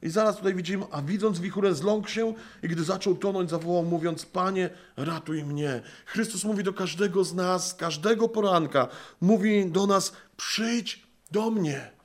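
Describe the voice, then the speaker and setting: A man preaching an earnest sermon, slowing down and softening when he quotes Christ, apparently speaking outdoors among trees. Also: sits high.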